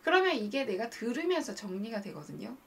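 A woman hosting a live coaching stream, talking straight to her viewers in an animated, emphatic way. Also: on the high side, brisk, far from the mic. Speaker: mind-training coach and live-stream host.

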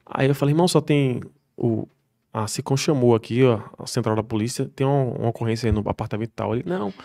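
A man, a military police soldier, telling slangy, animated stories on a podcast. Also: medium pitch, fast talker, vocal fry. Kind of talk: podcast storytelling.

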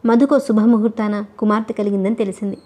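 A woman narrating a novel as an audiobook reader, in a steady, even storytelling manner. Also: mid-range voice, fast talker.

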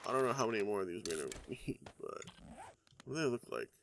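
Young male gaming YouTuber, nasal from a cold, lively up-and-down delivery, lots of fillers. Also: on the low side, quick pace, a little hiss or hum. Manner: rambling, many ums and uhs. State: congested from a cold. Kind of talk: casual let's-play commentary.

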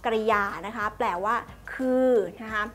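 A woman's voice: a little high, level tone, a little slow, a bit bright, faint music behind. A young woman hosting a lesson, chatty and polite, explaining phrases word by word. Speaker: host teaching Chinese through drama clips.

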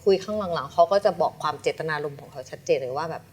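A woman's voice: sits low, fast, slightly rough. A woman guest on a talk show, telling her story and acting out the voices of people in it. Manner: animated, acts out quoted voices. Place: television studio.

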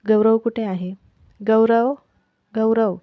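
A woman's voice: medium pitch, steady tone, normal speed, no room sound, natural voice. A woman voicing a frantic young pregnant wife. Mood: panicked. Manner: pleading, insistent questions, growing panic. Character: anxious young pregnant wife searching for her husband. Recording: dull lo-fi, dry close mic.

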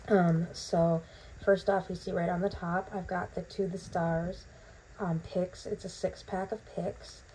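A woman's voice: lowish voice, level tone, unhurried, mellow, slight background noise, low-quality recording. A woman casually narrating a home unboxing in a bathroom, rambling with lots of ums, her voice still recovering from being lost. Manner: chatty, rambling with many ums. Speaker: vlogger.

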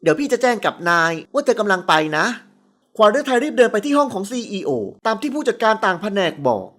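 Expressive woman reading an audiobook. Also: fairly high pitch. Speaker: audiobook narrator. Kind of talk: scripted narration.

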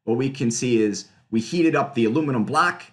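A middle-aged man giving a conversational research talk over a video call from a room at home, explaining slides with fillers and quick self-corrections. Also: mid-range voice. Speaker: physics researcher presenting. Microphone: webcam on a video call.

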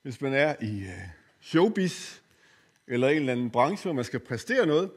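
An older man giving a spiritual lecture in a course center, speaking reflectively and pausing often with hesitant fillers. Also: mid-range voice, very animated, husky.

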